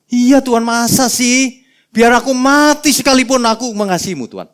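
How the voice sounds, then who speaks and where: A man's voice: very high voice, moderate pace, fairly bright tone, clear, resonant tone, voice pushed up. A man voicing an emotional, earnest male disciple who pleads in an overwrought, tearful way.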